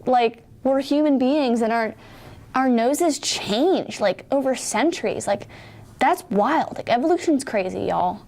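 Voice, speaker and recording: A young woman co-hosts a student television news segment, chatting animatedly with constant "like"s. Her voice sits on the higher side. She also reads short news items in a plain studio-read style. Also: a little slow. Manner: animated, lots of "like", lively swings in pitch. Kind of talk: casual chat and scripted news reading.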